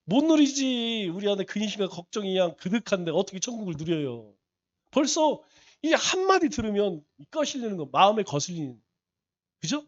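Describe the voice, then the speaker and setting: A man's voice: sits high, big pitch swings, moderate pace, highs cut off. A male pastor teaching a Bible study, asking the congregation rhetorical questions and repeating points for emphasis.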